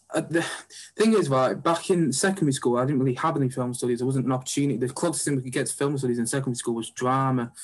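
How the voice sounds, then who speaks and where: A man speaks in a Manchester accent, his pitch fairly high. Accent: Greater Manchester English. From Oldham, Greater Manchester, England. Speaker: first-year film student. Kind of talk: casual chat.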